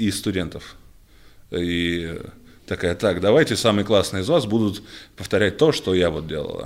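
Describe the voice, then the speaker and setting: This man has a very deep, low pitch and ordinary pitch variation. He leaves long, frequent pauses. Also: moderate pace. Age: 30s. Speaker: stand-up comedian. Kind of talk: casual chat.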